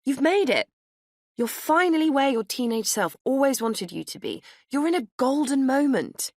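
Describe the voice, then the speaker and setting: A woman's voice: high-pitched, expressive, moderate pace, dry recording, studio quality, voice pushed up. Woman playing an upbeat encouraging friend. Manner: earnest pep-talk delivery.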